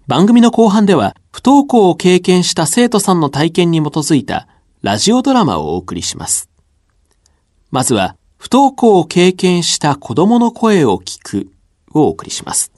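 Polite male radio announcer, lively pitch. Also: dry recording, clean studio sound. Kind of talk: scripted radio presentation. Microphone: studio microphone.

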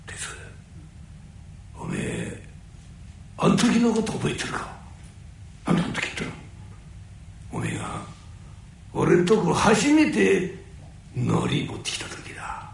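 A man playing a gruff old nori wholesaler. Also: high voice, huge pitch swings, measured pace, pauses often, a little hiss or hum, heavily acted. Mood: explaining. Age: older. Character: older male nori wholesaler, gruff but caring. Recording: very echoey room.

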